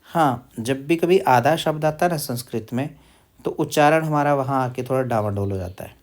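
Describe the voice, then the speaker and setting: A man teaching recitation step by step, drawing out syllables and repeating them as he asks questions. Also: mid-range voice. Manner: drills pronunciation, repeating syllables slowly and asking questions; chants verses in slow drawn-out syllables. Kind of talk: slow step-by-step recitation lesson.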